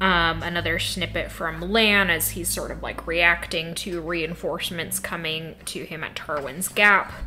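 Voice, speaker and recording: In a Utah accent, a woman speaks at a fairly slow pace with big swings in loudness, over noticeable background noise and audible room echo. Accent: Utah accent, drops T's. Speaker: podcast co-host. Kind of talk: casual chat about books.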